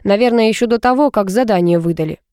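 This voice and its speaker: A woman's voice: mid-range voice, fast, mellow, clear, resonant tone, no echo, studio quality, lightly acted. A woman voicing a cocky, mocking young male student who teases and needles. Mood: smug. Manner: teasing, smug.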